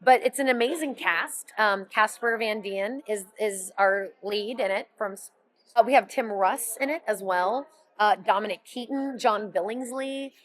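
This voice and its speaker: A woman's voice: medium pitch, a little slow. A woman voice actress as an interview guest, chatting enthusiastically and rambling with frequent restarts. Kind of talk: interview chat.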